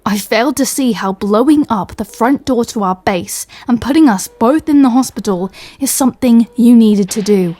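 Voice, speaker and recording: Woman playing an exasperated superhero, higher mellow voice. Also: moderate pace, few pauses, lightly acted. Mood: dry, accusing. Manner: dry, irritated, sarcastic. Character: exasperated, sardonic superhero woman, fed up with her nemesis. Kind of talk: comedy audio roleplay acting.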